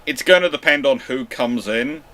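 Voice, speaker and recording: Host, male, mid-pitched, live Q&A, hesitant and filler-heavy. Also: expressive, moderate pace, bright, forceful tone. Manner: hesitant, many fillers and restarts. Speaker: naval history channel host. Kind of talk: live Q&A, reading and answering viewer questions.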